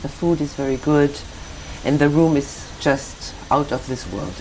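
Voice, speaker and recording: Speaking in a German accent at a moderate pace, a woman has a very deep, low pitch and ordinary pitch variation, with noticeable background noise. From Germany. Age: 60s. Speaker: artist and yoga teacher. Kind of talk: interview. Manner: halting.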